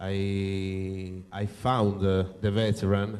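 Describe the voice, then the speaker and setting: A dark, mellow tone with an Italian accent. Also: man. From Italy. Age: young. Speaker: documentary filmmaker. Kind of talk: interview. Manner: halting, many fillers.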